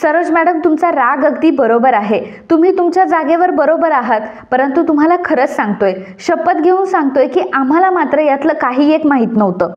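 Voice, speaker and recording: A woman's voice: high-pitched, animated, a little fast, few pauses, highs cut off, pitched above the performer's own voice. A woman voicing an earnest woman pleading that she knew nothing. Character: pleading woman swearing innocence.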